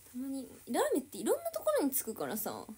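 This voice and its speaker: A woman's voice: high-pitched, huge pitch swings, quick pace, mellow, slightly rough. A young woman idol chatting casually on a livestream, reading and answering viewer comments.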